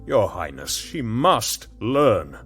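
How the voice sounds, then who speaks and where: Male narrator playing a jittery courtier baron, deferential, husky voice. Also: fairly low pitch, very animated, slow, a bit bright, soft background music, heavily acted. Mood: pleading.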